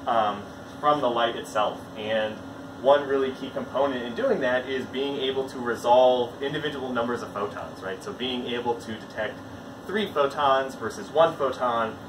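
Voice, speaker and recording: A young man talks through his experiment casually, full of ums and rights. He stands back from the camera in a large lab, so his voice sounds distant and roomy. A clear air-conditioning hum runs underneath. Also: medium pitch, normal speed. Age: young adult. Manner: relaxed and explanatory, with frequent ums and rights. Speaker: lab researcher giving a tour. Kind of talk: casual on-the-spot explanation. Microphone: camera a few feet away.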